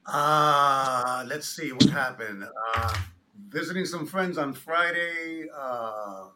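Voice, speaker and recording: A man appearing as an author guest on a podcast, chatting in a relaxed way and pausing with "uh". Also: a little high, heavy background noise. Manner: relaxed, fills pauses with "uh". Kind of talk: casual interview chat.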